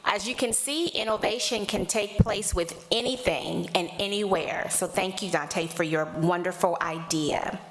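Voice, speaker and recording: Slow-paced woman presenting an event. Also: medium pitch. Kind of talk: formal scripted introduction.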